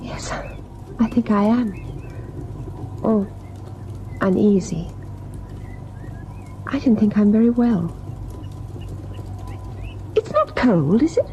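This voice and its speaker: Mellow, muffled radio-drama young wife. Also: female voice, medium pitch, expressive, slow pace, pauses often. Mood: uneasy, foreboding. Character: uneasy, childlike young wife, affectionate and whimsical. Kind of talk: old-time radio drama acting. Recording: muffled old radio recording, faint noise.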